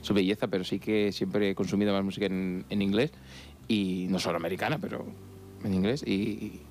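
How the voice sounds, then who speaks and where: A man whose first language is Portuguese, a band musician answering hesitantly with soft laughs. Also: low-pitched, steady tone, a little fast, a little hiss or hum. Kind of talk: casual interview answers.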